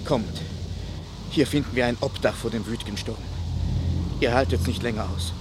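A man's voice: mid-range voice, normal speed, very noisy, natural voice. An actor playing an earnest, protective countryman who pleads solemnly in classic German radio drama style. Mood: concerned, urging. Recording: faint background ambience.

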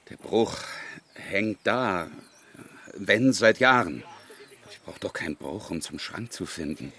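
Deep, husky, grumpy old hunter. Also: male voice, animated, slow, fairly bright tone, full character voice. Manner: grumbling, lecturing. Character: gruff, grumpy older male hunter. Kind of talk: German radio drama acting.

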